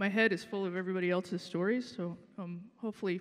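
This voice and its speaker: Talking at a very fast pace, a woman at medium pitch keeps a fairly even intonation. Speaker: farm program director. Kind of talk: live storytelling performance. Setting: theatre stage.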